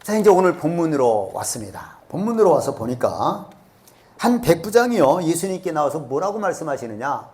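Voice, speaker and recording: Guy pastor giving a sermon at church, pitch jumps all over, keeps asking the crowd stuff. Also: sing-song, normal speed, a little mellow. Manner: asks the congregation rhetorical questions. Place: church sanctuary.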